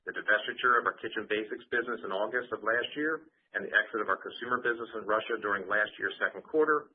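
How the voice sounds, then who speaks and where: A man reading a scripted financial presentation on an earnings call as a company executive, in a formal, measured business manner. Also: lowish voice, a little hiss or hum. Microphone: conference call line. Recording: narrow, tinny conference phone line.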